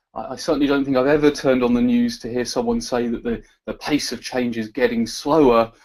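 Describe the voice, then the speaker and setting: A man speaks in a British accent at a fairly quick pace. His pitch sits fairly high. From southern England, Portsmouth. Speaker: business analysis consultant and presenter. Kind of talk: webinar presentation. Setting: live online webinar.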